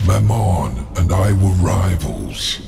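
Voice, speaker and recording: Slow, gravelly demon lord. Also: male voice, low voice, expressive, dark tone, a little hiss or hum, heavily acted. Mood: gloating. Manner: slow, formal, imperious. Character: menacing, regal male demon lord, gloating and sardonic. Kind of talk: video game cutscene acting.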